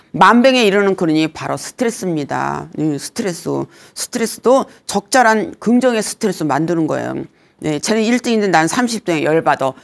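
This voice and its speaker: A middle-aged woman giving a lecture on aging well, joking and telling lively stories. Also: on the low side, vocal fry. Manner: humorous, lively storytelling with acted quotes. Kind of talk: senior lifestyle lecture.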